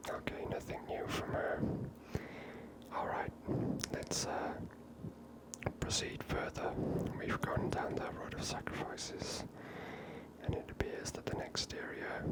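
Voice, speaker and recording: Male ASMR gaming host: soft unvoiced whisper, musing, unhurried commentary. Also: low-quality recording.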